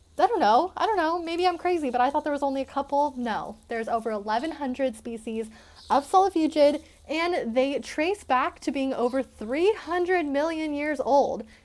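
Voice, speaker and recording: A loud woman with an animated tone, high pitch, lively intonation and a moderate pace. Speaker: animal educator YouTuber. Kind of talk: casual educational talk to camera. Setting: outdoors.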